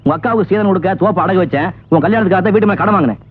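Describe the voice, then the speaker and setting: A quick-tongued, sarcastic village landowner buried in debt who rattles off his lines at great speed in a fairly high voice. The sound is thin and phone-like, as on an old film soundtrack, with music faintly underneath. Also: breathy edge. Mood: bickering. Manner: quick, wry and sarcastic, flaring into anger. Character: sardonic debt-ridden young village landowner man. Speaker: eldest brother, indebted landowner. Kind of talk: 1980s film acting.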